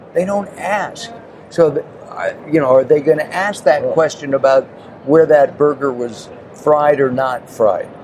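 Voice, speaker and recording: A man with a fairly high pitch talks at a fairly slow pace, with long, frequent pauses. Noticeable background noise runs underneath. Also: ordinary pitch variation. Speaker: radio host. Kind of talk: interview. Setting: trade show floor.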